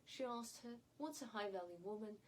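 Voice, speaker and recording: Speaking fairly quickly with lively intonation in a slightly high voice, this online commentator from Yemen gives viewers her opinions in English, her fourth language. She enunciates carefully and emphatically, with clear background noise in the recording.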